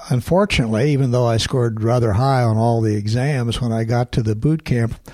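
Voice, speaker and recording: In an American accent, a man speaks at a medium pitch with a dark, mellow tone and fairly even intonation. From US Midwest, small-town Illinois. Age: 70s. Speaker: real estate developer and entrepreneur. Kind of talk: casual interview. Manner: halting, repeats words.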